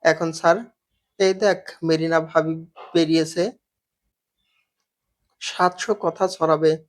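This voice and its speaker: A quick-tempered young working woman who answers in sharp bursts and keeps her guard up, voiced by a man reading a storybook aloud in a slightly high voice. She sounds wary rather than soft. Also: flat delivery.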